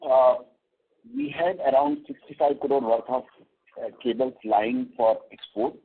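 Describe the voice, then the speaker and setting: A man with an Indian accent giving company commentary and answers on an earnings call, halting and repeating words. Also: medium pitch, wildly swooping pitch, husky. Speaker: company executive. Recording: muffled, tinny conference phone line.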